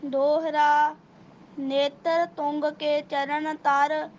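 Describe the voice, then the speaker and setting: A woman with a Punjabi accent slowly reciting scripture verses in a steady, even chant. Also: high voice, slight background noise. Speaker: student reciting. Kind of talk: slow devotional recitation. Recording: dull lo-fi recording with faint ambience.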